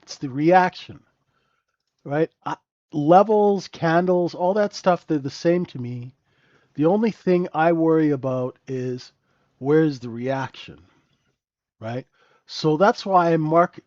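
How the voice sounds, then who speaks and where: A man's voice: fairly high pitch, darkish tone, no room sound, muffled recording. A man hosting a live trading room, talking through the chart with a stuffy, nasal voice and sniffling, keeps asking "right?".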